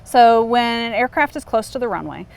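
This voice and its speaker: A woman's voice: fairly high pitch, animated, moderate pace, gravelly. A woman explaining her work as an air traffic controller in an informal, plain-spoken interview.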